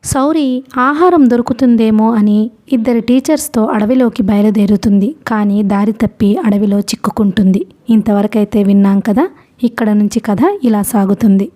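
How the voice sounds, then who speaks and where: Mellow-voiced woman reading a novel aloud. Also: mid-range voice, fairly even intonation, moderate pace. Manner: reads a novel aloud, voicing characters in her own voice. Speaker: audiobook narrator. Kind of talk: storybook narration.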